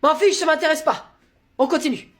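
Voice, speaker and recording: A woman's voice: high-pitched, fairly quick, pitched above the performer's own voice, close to an everyday voice. A woman playing an impatient, bossy schoolteacher in a comedy sketch. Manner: curt, bossy. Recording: roomy echo.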